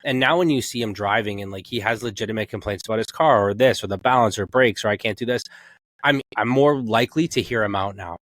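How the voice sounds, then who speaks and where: A man's voice: lowish voice, quick pace, a bit bright, no room sound. A man co-hosting a podcast, chatting casually about sports in a colloquial, rambling way and slipping into imagined quotes. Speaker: podcast co-host.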